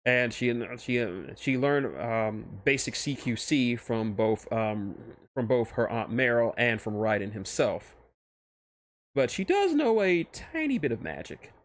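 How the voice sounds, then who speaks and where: A man streaming casual commentary on his own fictional characters, halting and often restarting his phrases as he explains. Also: mid-range voice, lively intonation.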